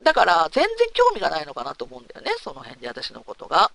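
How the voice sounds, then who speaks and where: Low-pitched and fast, with vocal fry, a woman hosts a talk segment on a dry recording. She shares a personal story candidly and casually, staying frank and animated and asking her audience rhetorical questions.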